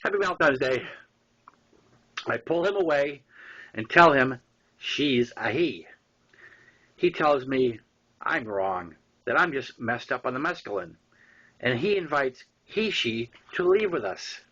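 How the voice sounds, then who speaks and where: A man with a Boston accent reading his own story aloud in an informal way, with halting, emphatic repeats and wry asides. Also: medium pitch, animated, fairly bright tone, husky. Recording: dull lo-fi audio.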